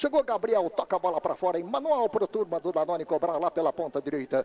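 A man's high-pitched voice with ordinary pitch variation and a dry, close sound with no echo. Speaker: football play-by-play announcer. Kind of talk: live commentary. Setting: radio broadcast at stadium. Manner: fast talker.

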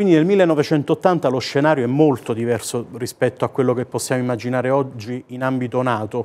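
Talking at a fairly quick pace, a man leaves hardly any pauses. His pitch varies in an ordinary way. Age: 30s. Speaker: director and journalist; journalist. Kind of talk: interview. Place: studio. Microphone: lapel.

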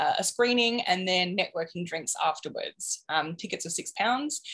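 The speech moves at a moderate pace against a quiet background. Its pitch varies by an ordinary amount. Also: woman. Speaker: event coordinator; panel host. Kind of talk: event announcements. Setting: video call. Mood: friendly, upbeat. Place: home room. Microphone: video call.

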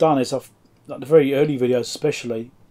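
Mumbling at a very fast pace, a man speaks in a dark, mellow tone with ordinary pitch variation. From England and New Zealand. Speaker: electronics repair youtuber; electronics repair streamer. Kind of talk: casual live stream chat. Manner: mumbling, poor enunciation. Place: workshop.

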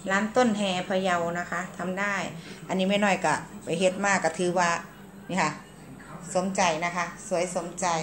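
A woman talks with fairly even intonation over light background noise. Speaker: customer reviewing a beauty salon. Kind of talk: casual vlog chat. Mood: pleased, relaxed. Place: home room. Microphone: phone near.

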